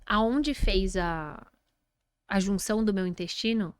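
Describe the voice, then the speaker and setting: A woman's voice: mid-range voice, slow pace, clean tone, no echo, clean studio sound. A woman with a Brazilian Portuguese accent, a guest telling a story in a casual interview and acting out what people said. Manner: animated, acts out quoted speech.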